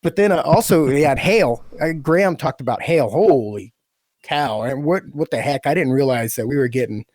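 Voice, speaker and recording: A man's voice: mid-range voice, moderate pace, a little mellow, no echo. Effusive man chatting, close dry sound. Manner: effusive, informal, full of praise. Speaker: podcast team member and story creator. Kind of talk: enthusiastic casual chat.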